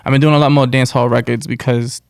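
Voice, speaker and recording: American man, gravelly, even-toned. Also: medium pitch, fast, dry recording, studio quality. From United States. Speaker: interview guest, musician and producer. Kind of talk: casual chat, slangy.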